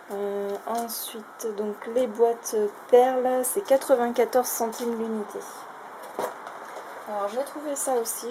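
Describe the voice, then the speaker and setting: A woman's voice: medium pitch, warm tone. A woman casually showing a craft shopping haul, talking in a chatty, hesitant way with many fillers. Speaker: craft vlogger. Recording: noisy home recording.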